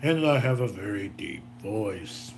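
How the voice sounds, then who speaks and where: A man's voice: lowish voice, animated, measured pace, slight background noise. A slightly tired American man rambling casually through a homemade vlog in a folksy, jokey way. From southern Illinois, United States. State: a little tired. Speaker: gadget video host.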